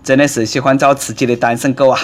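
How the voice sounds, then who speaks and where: A man's voice: medium pitch, level tone, fast talker. A man with a Nanchong Sichuanese accent hosting a comic commentary in a sarcastic, mocking manner. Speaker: host.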